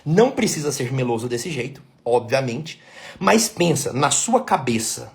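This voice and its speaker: A man's voice: medium pitch, sing-song, measured pace, vocal fry. A middle-aged Brazilian man, a couples therapist, giving a blunt, emphatic lesson to women, repeating his key points and checking that they follow. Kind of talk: talking-head lesson.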